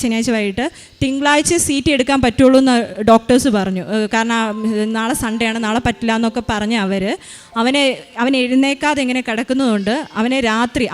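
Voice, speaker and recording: Mom telling her testimony, quick and a bit high, lots of uh and restarts. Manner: rushed retelling with many restarts and hesitations. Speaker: mother giving a testimony. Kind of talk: personal faith testimony.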